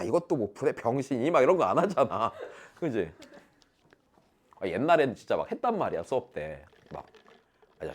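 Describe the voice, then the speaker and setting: A male math teacher joking bluntly and crudely with his students in casual classroom banter. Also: mid-range voice.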